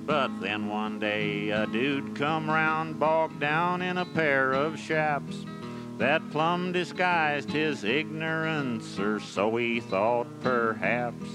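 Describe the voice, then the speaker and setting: Loud plucked guitar plays behind a man reciting cowboy poetry. He takes his time, telling it in a folksy, rustic dialect at a medium pitch. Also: slow. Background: loud plucked guitar music.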